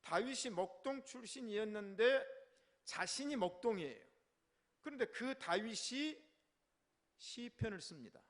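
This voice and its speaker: Guy pastor preaching in church, chatty and playful, somewhat high voice. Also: unhurried, long pauses. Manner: lively and conversational, teasing the congregation. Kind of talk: sermon. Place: church sanctuary.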